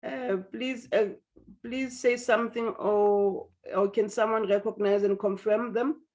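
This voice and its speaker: A woman chairs an online meeting in a chatty, teasing way, often restarting her sentences. Her voice comes through a video call with dull, lo-fi sound. Her pitch sits mid-range for a woman. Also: fairly even intonation, a little slow, darkish tone. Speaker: meeting host.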